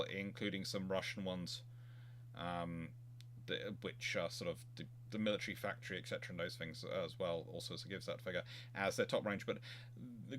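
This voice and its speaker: Male live-chat host, low-pitched but forceful, halting expert explainer, faint noise and hum behind. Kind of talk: informal expert discussion, answering viewer questions.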